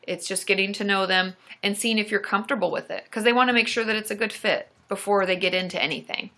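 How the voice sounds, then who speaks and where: A woman's voice: medium pitch, fast talker, pushed and bright. A young adult woman therapist hosting a casual live-stream Q&A, chatty and reassuring, with many fillers and restarts.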